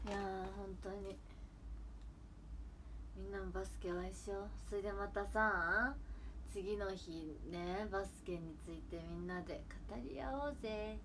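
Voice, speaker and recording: A woman's voice: medium pitch, measured pace, fairly bright tone, a little hiss or hum. A young woman from Kagawa, Japan, hosting an idol livestream, chatting casually and gushing to viewers on a close phone mic.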